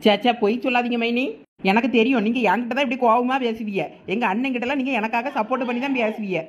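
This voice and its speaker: A woman's voice: on the high side, fairly even intonation, fast, natural voice. A woman voicing a cheeky, wheedling younger sister-in-law in a cartoon, teasing in a Thoothukudi Tamil accent. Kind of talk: dialect cartoon family comedy dialogue.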